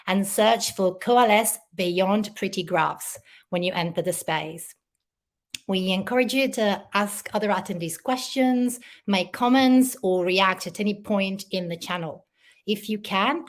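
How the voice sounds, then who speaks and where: A woman hosting a conference session, reading a clear, orderly scripted introduction and announcements. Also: mid-range voice. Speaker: session host.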